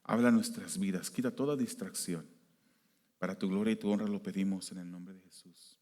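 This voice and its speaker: A man from the United States preaching a sermon as pastor, shifting between loud emphasis and quiet, hushed prayer. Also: low voice, moderate pace. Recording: long hall reverb.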